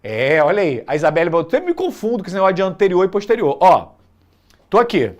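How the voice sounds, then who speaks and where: Man, biology teacher, animated pitch, slangy, joking, online class. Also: fast talker, lo-fi sound. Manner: slangy, joking, lively lecturing. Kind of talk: live online exam-prep class.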